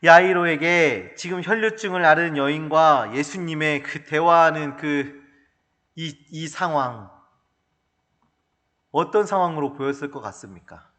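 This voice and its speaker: A male pastor preaching a sermon in an animated, humorous storytelling manner, recorded in a church hall. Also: on the high side, unhurried.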